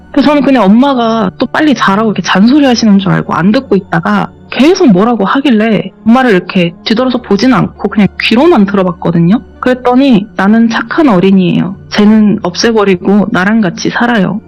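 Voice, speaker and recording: A woman guest telling a true ghost story in soft, conversational speech on a horror radio interview. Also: on the high side. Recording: dull, muffled radio recording with faint music underneath.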